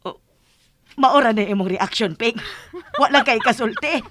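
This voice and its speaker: A woman's voice: fairly high pitch, a little slow, fairly bright tone, slight background noise. An actress playing a flustered, teasing village woman in a radio drama comedy, with a Bisaya accent. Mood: amused, teasing.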